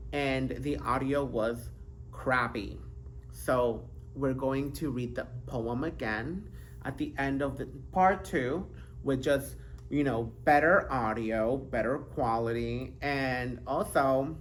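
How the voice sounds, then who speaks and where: A man hosts his own podcast alone at a mid-range pitch, chatting loosely and rambling as he interrupts himself and giggles. He slips into playful sing-song moments now and then. A faint hum of the room sits behind his voice on a handheld mic. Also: fairly bright tone. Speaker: podcast host. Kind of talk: casual solo vlog monologue. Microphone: handheld microphone.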